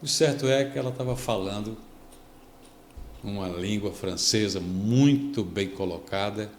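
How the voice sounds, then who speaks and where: A Brazilian man, a pastor, telling a story on a devotional podcast, lively and acting out the people he quotes. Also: on the low side, unhurried, roomy sound, slight background noise. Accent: Brazilian Portuguese. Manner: animated storytelling, acts out quoted speech.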